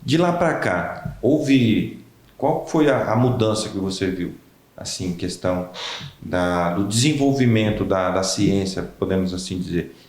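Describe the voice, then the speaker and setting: A man hosting an interview podcast, relaxed and chatty, often tagging his sentences with little questions and joking about himself. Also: low voice, unhurried, roomy sound. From Brazil. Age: young adult. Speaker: podcast host. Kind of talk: casual interview chat.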